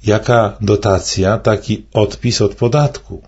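An older man delivering scripted commentary in a measured, declamatory way, posing rhetorical questions. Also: fairly low pitch, fairly even intonation, a little mellow, slightly rough, lo-fi sound.

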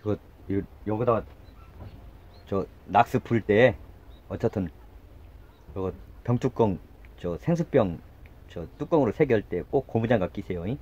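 A man's voice: fairly low pitch, unhurried, long pauses, dark tone, lo-fi sound. A middle-aged man demonstrating garden work outdoors in a casual way, talking while he works, repeating short words and muttering asides. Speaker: gardening channel host. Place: outdoors by a house.

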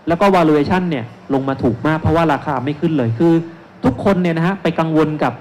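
A man in his thirties, working as a securities analyst and panel speaker, gives an investment seminar presentation from an indoor stage at a shopping mall expo. His voice sits on the high side with a darkish tone, and he talks a little fast into a handheld mic, explaining step by step with frequent polite particles. The live event audio is noisy.

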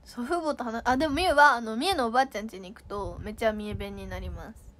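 Young female idol, high voice, playful and giggly, casual livestream chat with viewers. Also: fast talker, fairly bright tone. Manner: playful and giggly, reads comments aloud and reacts.

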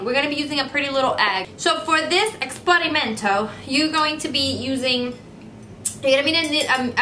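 A woman's voice: high voice, background noise. A young woman with a Puerto Rican accent, chatty and playful, hosting a DIY beauty tutorial from her home studio. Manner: playful, giggly, chatty with laughs between phrases. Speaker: beauty vlogger. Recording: echoey room with faint music.

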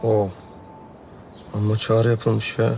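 A man's voice: fairly low pitch, monotone, takes it slowly, vocal fry. An actor playing a confident, easygoing young man who teases and reassures his sister in a TV drama. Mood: friendly. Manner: easygoing, teasing. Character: confident young man, warm big brother. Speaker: landowner's son, brother. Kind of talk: TV drama acting. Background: music.

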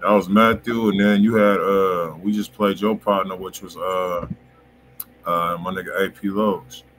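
A man's voice: low-pitched, steady tone, measured pace, a bit bright, a little hiss or hum, poor audio. A man hosting a music review livestream in casual, slangy talk, swearing freely and repeating himself.

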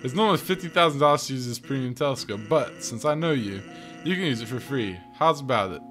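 A man's voice: mid-range voice, animated, fast talker, fairly bright tone, natural voice. A man voicing a laid-back skeleton hustler in a video game with casual sales patter. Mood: sly, casual. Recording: game music behind the voice.

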